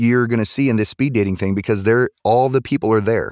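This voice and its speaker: A man speaks at a medium pitch with a Texan accent. The recording is very clean with a silent background and a dry, close sound with no echo. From Texas. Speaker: voiceover actor. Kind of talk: casual podcast chat.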